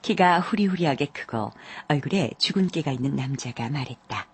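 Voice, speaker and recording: A woman narrating a classic story audiobook in a measured, calm way, with a husky voice. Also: low voice.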